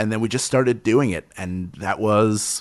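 A man speaks in a plain, everyday voice with an American accent, at a medium pitch and with ordinary pitch variation. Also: quiet background. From Philadelphia, US. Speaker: actor and podcaster. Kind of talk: casual chat.

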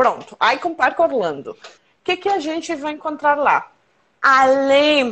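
Here a woman is speaking. She talks at a very slow pace. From Colombia. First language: Spanish (speaking Portuguese). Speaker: tourism representative. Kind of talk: casual chat.

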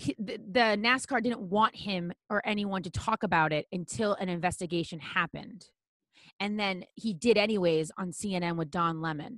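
With an American accent, a woman at medium pitch has an ordinary speaking voice, talking at a moderate pace with ordinary pitch variation in a dry, close sound with no echo and a quiet background. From Dighton, Massachusetts. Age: 20s. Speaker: former radio host, podcaster. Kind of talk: casual chat.

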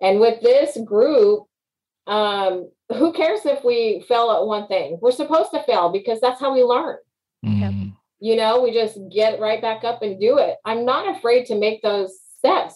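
This woman has an unremarkable speaking voice, pitched fairly high, with lively intonation. She talks at a fairly slow pace. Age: 50s. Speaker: realtor. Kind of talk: casual chat.

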